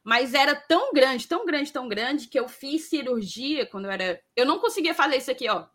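Bright-voiced Brazilian Northeastern woman with slight lisp. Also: sits high, lively intonation, fairly quick. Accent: Brazilian Northeastern, Ceará. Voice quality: slight lisp, tongue-tied s sounds. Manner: informal, repeats phrases for emphasis. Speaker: host. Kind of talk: casual live chat, reading viewer messages.

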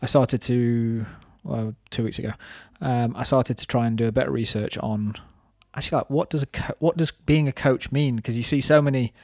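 A man's voice: mid-range voice, steady tone, moderate pace, hardly any pauses, darkish tone, no room sound, studio quality. A man of thirty chatting casually on a podcast in a reflective, rambling way, explaining his own thinking. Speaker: podcast host and business owner.

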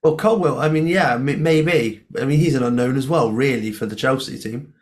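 A man with a hoarse voice co-hosting a casual football podcast, chatty and laughing often. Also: mid-range voice, normal speed, darkish tone. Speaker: podcast co-host.

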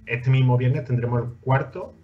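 A man runs through the latest basketball news in a loose, unscripted way, pausing and restarting as he talks. His voice sits in an ordinary middle pitch, and the recording sounds dull and lo-fi. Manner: halting, searches for words mid-sentence. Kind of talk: informal news roundup over on-screen graphics.

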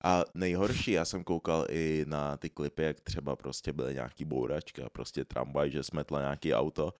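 A man's voice: very deep voice, fairly even intonation, no room sound, clean studio sound. A man chatting casually with friends, rambling and slangy, slipping English phrases into his talk. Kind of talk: casual chat among friends.

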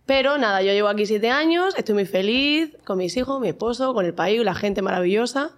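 A woman's voice: mid-range voice, expressive, fairly quick. A woman in her thirties with an accent from Spain, chatting casually and animatedly as a podcast guest, colloquial and self-mocking. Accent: Spanish, from Spain. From Murcia, Spain. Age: 30s. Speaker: podcast guest, mother and influencer.

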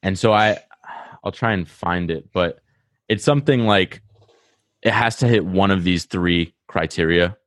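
A man's voice: sits low, unhurried, fairly bright tone. A man with a Rhode Island accent, talking eagerly and at length on a podcast, often restarting his sentences. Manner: talkative, enthusiastic, self-interrupting. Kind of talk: casual podcast chat.

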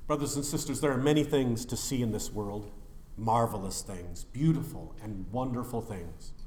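A male pastor delivers an animated sermon in a church sanctuary, and every phrase rings with a roomy, cathedral-like echo. His pitch rises and falls widely as he moves from ringing declarations to hushed asides. His voice sits in an ordinary middle range for a man. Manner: animated, emphatic preaching with sudden drops to quiet.

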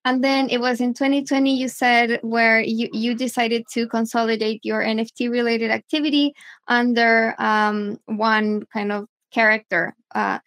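A woman's voice: on the high side, little pitch movement, normal speed, a bit bright. A woman hosting a podcast interview, framing long questions with many fillers.

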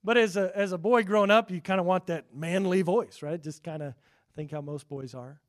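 A middle-aged man preaching a sermon in an earnest way, getting louder when he quotes scripture and quieter for asides; he has a high voice for a man. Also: moderate pace. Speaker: pastor.

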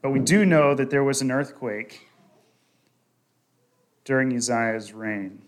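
Guy preaching a sermon real slow, middle pitch, gets louder on the bible quotes. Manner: slow, deliberate preaching, rising on quoted scripture.

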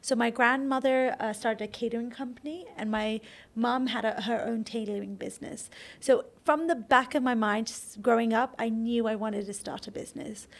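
A young adult woman from Kenya, a startup founder, answering interview questions in a relaxed, conversational way with occasional fillers. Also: on the high side, moderate pace. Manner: conversational, explains at length with fillers and restarts.

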